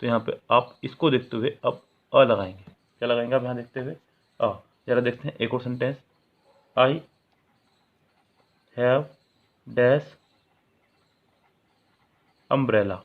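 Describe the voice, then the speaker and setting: A man's voice: medium pitch, fairly even intonation, a little fast. Man teaching grammar over a tinny line. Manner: asks the viewer questions and answers them himself; explains English in Hindi, reading example sentences aloud. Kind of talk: classroom-style video lesson. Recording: tinny, phone-like sound.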